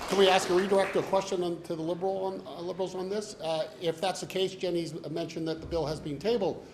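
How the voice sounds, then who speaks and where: A man putting a long, speech-like question at a press conference, earnest and rhetorical, with deliberate phrasing. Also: high voice, steady tone, background noise.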